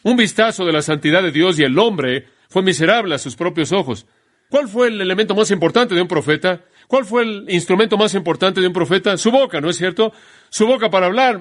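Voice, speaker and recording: Guy preaching a sermon, kinda high voice, leans hard on words. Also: lively intonation, fairly quick.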